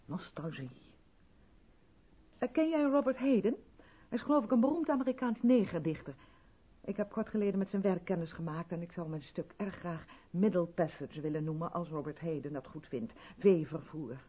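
An actress playing an effusive, self-absorbed white South African theatre director in a 1970s Dutch radio play, chatty and patronising in a theatrical way. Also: female voice, fairly low pitch, lively intonation, normal speed, breathy edge. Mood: rapturous, dramatic. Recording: dull vintage radio recording.

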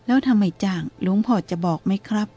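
A woman's voice: mid-range voice, fast, warm tone, breathy edge, soft background music. A woman voicing a naive young male monk who speaks politely and earnestly to his teacher. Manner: polite, earnest, self-reproaching.

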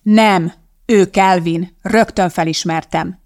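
A reader voicing an angry, shouting wealthy woman donor on the phone, with a shrill, accusing manner. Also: steady tone, lightly acted. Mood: insistent.

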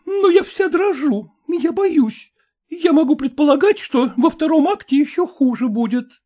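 A man's voice: very high-pitched, very animated, normal speed, a little mellow, voice pushed up, exaggerated voice. A man voicing a jealous, hysterical young actress who shrilly accuses her husband. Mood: frightened.

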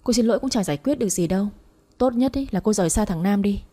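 A woman's voice: mid-range voice, lively intonation, quick pace, warm tone, natural voice. A woman doing a sneering rich older lady. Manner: sneering, mocking. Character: scornful rich older woman, future mother-in-law.

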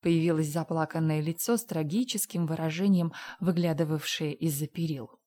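A woman narrating a dramatized audiobook in a measured storytelling manner. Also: low voice, mellow.

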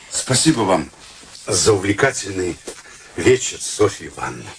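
Ironic suitor, teasing and hesitant, very animated lowish voice, radio drama. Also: male voice, gravelly, slight background noise, exaggerated voice. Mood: wry. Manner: hesitant, wry, teasing, with drawn-out fillers. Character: ironic, gallant accountant posing as a daughter's fiancé. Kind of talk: radio play acting.

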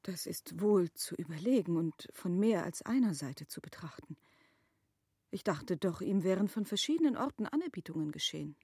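An actress playing a refined middle-aged wife in a German radio drama, speaking in measured, formal, articulate phrases with gentle firmness. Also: female voice, fairly low pitch, expressive, husky, no echo, studio quality. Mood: gently cautioning. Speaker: actor in a radio play. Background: birdsong, faint nature ambience.

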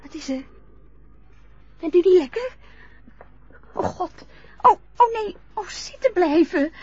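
An actress playing a kind young caregiver with a breathy voice. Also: female voice, extremely high pitch, lively intonation, takes it slowly, full character voice. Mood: panicked. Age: young adult. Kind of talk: radio drama acting. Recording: dull lo-fi radio play recording.

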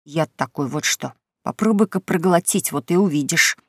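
A boy who takes the lead talks in a low, secretive whisper, as a woman voices him. The storybook reading is close and dry, with a gravelly grain. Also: moderate pace, no echo. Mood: hushed. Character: boy, the bolder leader, whispering. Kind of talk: audiobook character reading.

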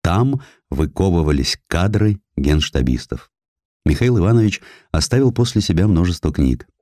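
A man reading a historical essay as an audiobook narrator, measured and declamatory, with deliberate pauses. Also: low voice, expressive, dark tone, dry recording, studio quality.

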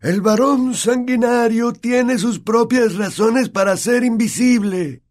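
A brave young schoolboy hero from a storybook reading, raised in pitch and steady, as a man with a Latin American Spanish accent voices him. He speaks calmly and with determination. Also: takes it slowly. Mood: determined.

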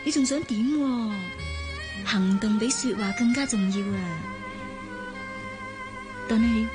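Radio play: an actress as a dreamy young Hong Kong student, high-voiced, music behind. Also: female voice, natural voice. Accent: Hong Kong Cantonese. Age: young adult. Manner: lively, sulky, dreamy. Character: young woman student, spirited, romantic daydreamer. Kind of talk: radio drama acting. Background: background music.

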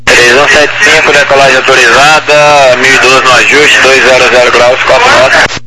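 A man's voice: mid-range voice, little pitch movement, moderate pace. A man working as an air traffic controller, giving clipped procedural instructions over a crackly military-sounding radio. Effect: crackly aviation radio, like military radio. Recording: very noisy crackly radio transmission.

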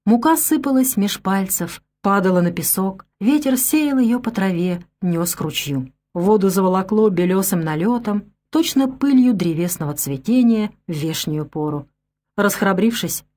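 Woman narrator, steady clear storytelling, mid-pitched, audiobook read. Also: normal speed.

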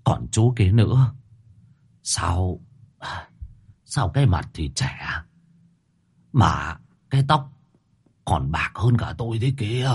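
A man voicing a confused older village man who speaks in a hushed, shaken voice and breaks into sobs. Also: lowish voice, very animated, takes it slowly, pauses often, breathy edge, heavily acted. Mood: dazed.

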